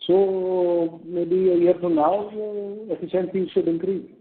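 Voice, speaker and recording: A man with an Indian accent answering investor questions as a company executive, halting and matter-of-fact. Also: high-pitched, fairly even intonation. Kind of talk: earnings call question and answer. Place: conference call. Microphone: telephone. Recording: narrow tinny phone line.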